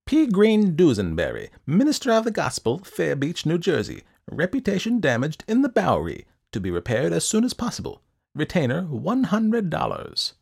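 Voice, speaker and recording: A man's voice: a little high, wildly swooping pitch, normal speed, creaky, a little mellow, husky, voice pushed up, heavily acted. A man voicing a menacing, self-satisfied, eccentric schemer in an audiobook, with formal, precise, clipped delivery. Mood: businesslike.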